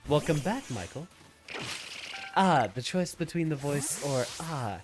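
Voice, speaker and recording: A man's voice: a little high, animated, a little slow, music in the background. A man streaming a video game with a stuffy, slightly nasal nose, musing aloud in an easygoing way and answering viewers' questions.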